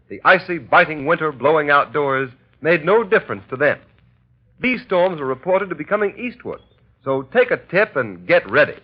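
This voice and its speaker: A male radio announcer giving an earnest, declamatory commercial read in the 1930s style. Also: a little high. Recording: dull lo-fi 1930s radio broadcast.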